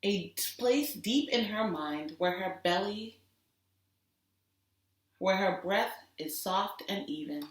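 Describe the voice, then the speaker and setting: A woman teacher giving an expressive storybook read-aloud for children, deliberate and with dramatic emphasis. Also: medium pitch. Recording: roomy echo, distant microphone.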